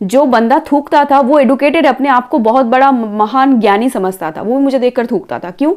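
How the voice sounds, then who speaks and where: This woman's voice sits high and moves at a moderate pace. Her pitch varies in an ordinary way. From Kolkata, West Bengal, India. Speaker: YouTuber. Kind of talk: personal story vlog. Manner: halting at times.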